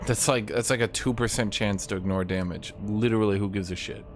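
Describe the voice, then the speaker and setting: A man's voice: lowish voice, fairly even intonation, brisk. A man streaming a game with casual live commentary, griping and swearing in exasperation. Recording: game music behind the voice. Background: video game music.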